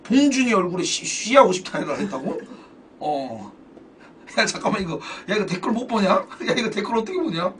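A man streaming a football game and chatting casually with viewers, excitable, with loud outbursts and frequent swearing. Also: high voice, a little fast, slight background noise. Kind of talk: casual live-stream commentary. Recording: distant mic with game music behind.

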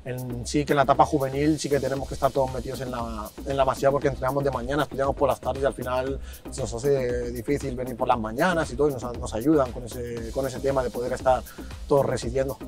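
A teenage young man from Colombia answers in a mid-pitched, soft-spoken voice, stumbling and restarting his sentences as he goes. He sits on a park bench outdoors with the camera a few feet away. Faint music sits in the background. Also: fairly even intonation, fast. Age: late teens. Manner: hesitant, many restarts and fillers, soft-spoken. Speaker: youth footballer guest. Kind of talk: casual interview answers.

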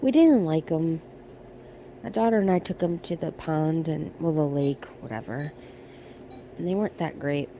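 A woman's voice: low voice, moderate pace, long pauses, dark tone, lo-fi sound, a little hiss or hum. Chatty American woman browsing a store. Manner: chatty, thinking aloud while browsing. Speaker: shopping vlogger. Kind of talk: casual shop-with-me vlog. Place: large discount store aisles. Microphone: handheld phone camera.

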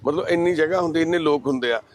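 A man's voice: fairly high pitch, racing. A man from Punjab, a charity volunteer, speaking earnestly and devoutly outdoors beside a garbage heap during a rescue. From Punjab, India. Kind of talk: on-site appeal and conversation.

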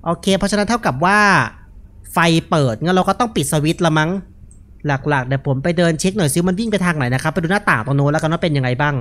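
A young man gives casual, joking horror game commentary, relaxed and unafraid, speaking into a headset mic. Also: fairly high pitch, quick pace. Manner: laid-back, joking, unafraid. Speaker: gaming video host.

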